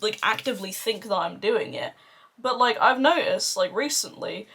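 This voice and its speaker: Husky voiced woman doing a makeup vlog, chatty n playful, kinda sweary, rambles along. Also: medium pitch, lively intonation, normal speed, fairly bright tone. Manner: playful, sweary, self-deprecating. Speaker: beauty vlogger doing a makeup tutorial. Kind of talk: casual rambling chat to camera.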